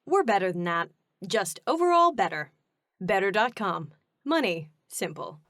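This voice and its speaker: A woman's voice: medium pitch, sing-song, measured pace, a bit bright, no room sound, studio quality. A woman giving polished commercial voice-over reads. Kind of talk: polished advertising read. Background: music bed.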